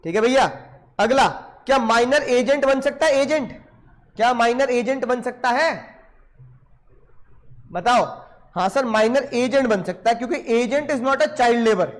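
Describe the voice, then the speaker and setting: A high-voiced male law teacher gives an animated lecture. He keeps firing questions at his class and answering them himself. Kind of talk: lively Hindi lecture.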